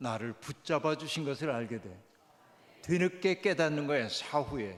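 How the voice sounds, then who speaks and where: An ordinary speaking voice at a fairly slow pace, with ordinary pitch variation. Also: man. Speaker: pastor. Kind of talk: sermon. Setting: church revival meeting with congregation.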